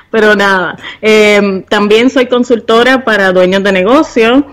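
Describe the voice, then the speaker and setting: Podcast guest, Puerto Rican woman, forties, mid-pitched, measured explanations. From Puerto Rico. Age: 40s. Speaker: guest, university professor and business consultant. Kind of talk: podcast interview conversation.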